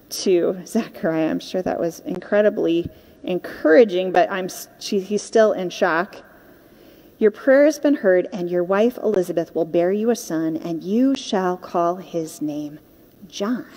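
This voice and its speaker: A young adult woman preaching a conversational sermon, reading scripture and explaining it in an informal, expressive storytelling way. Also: fairly low pitch. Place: indoor stage with curtain backdrop. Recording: reverberant hall sound.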